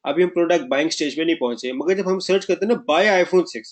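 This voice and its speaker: An online marketing instructor with a higher, darkish-toned voice teaches a live webinar lecture at a very fast pace. He keeps things interactive by often asking the class questions and mixes English terms into his explanations.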